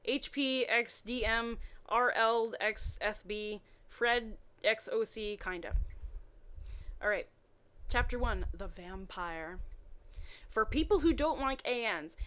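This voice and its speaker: Woman, higher pitch, mocking story read-aloud, wry deadpan asides, reader and commentator. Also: a little slow.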